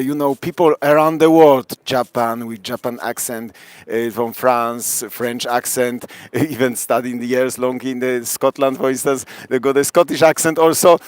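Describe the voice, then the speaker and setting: Polish tour guide, dry outdoor sound. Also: male voice, mid-range voice, no echo. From Poland. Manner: rambling, many fillers, halting non-native English. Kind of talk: live-streamed walking tour chat. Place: outdoors on a city square at night.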